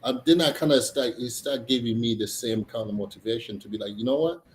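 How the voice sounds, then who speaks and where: A man from Tanzania, a comedian chatting casually as a guest, halting, with many fillers and restarts. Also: mid-range voice. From Tanzania, East Africa. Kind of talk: casual interview chat. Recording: echoey room, faint noise.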